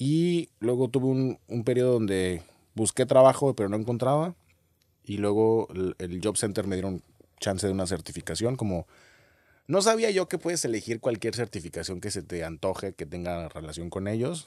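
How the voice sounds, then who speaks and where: In a Mexico City accent, a man speaks at a moderate pace with a fairly low pitch, very wide pitch swings and a dark, mellow tone, the sound dry with no echo against a quiet background. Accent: Mexican Spanish (Mexico City). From Mexico City area. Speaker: comedian and content creator; comedian, content creator. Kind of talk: casual chat. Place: studio. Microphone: studio mic.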